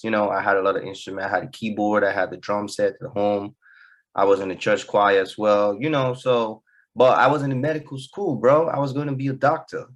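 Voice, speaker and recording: A young man with a Nigerian accent, a musician guest speaking in a relaxed, loose way in a radio studio. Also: fairly low pitch. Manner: relaxed, loose talk full of "you know". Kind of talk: radio interview.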